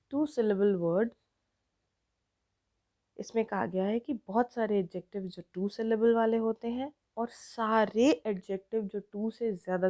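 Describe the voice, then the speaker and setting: A woman with an Indian accent teaching an online grammar lesson, explaining slowly word by word and switching between Hindi and English. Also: mid-range voice, mellow.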